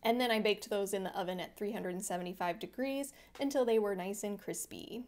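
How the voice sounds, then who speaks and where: A woman's voice: mid-range voice, fairly quick, darkish tone. Woman doing a voiceover for her cooking vlog, friendly and chatty, explains every step. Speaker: vegan cooking channel host. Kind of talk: voice-over narration of a cooking video.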